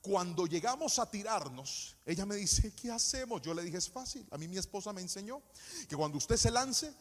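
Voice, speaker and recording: A man's voice: sits high, animated, normal speed. A man, an associate pastor preaching dramatically and telling a personal story. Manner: dramatic storyteller, shifts from hushed to shouted preaching. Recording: reverberant church hall.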